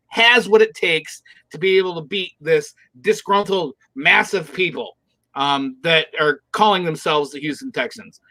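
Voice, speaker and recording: A man's voice: high voice, bright, forceful tone, dry recording, rough recording. A middle-aged man from Michigan, co-hosting a casual football picks show and ranting bluntly about teams. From Michigan, USA. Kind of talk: casual sports chat.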